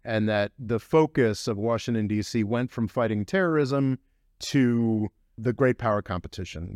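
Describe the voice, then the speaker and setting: A man's voice: medium pitch, darkish tone, no room sound, clean studio sound. A man hosting a podcast, giving long, rambling, opinionated explanations in casual talk. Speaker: podcast host.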